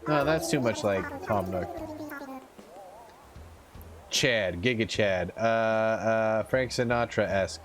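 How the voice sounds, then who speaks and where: A man's voice: lowish voice, takes it slowly, pauses often, a little hiss or hum. A man streaming a game, rambling playfully and teasing himself as he plays. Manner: rambling, self-mocking, playful. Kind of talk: casual gameplay livestream chat.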